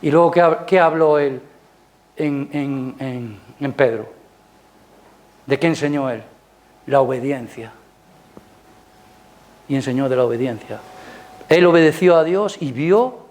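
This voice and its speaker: A man with a Spanish accent preaching a Sunday sermon in church, chatting with the congregation through rhetorical questions, his voice climbing loud on key points and dropping soft. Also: measured pace, long pauses. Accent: Spanish from Spain. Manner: rises loud and high on emphasis, drops soft. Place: church service.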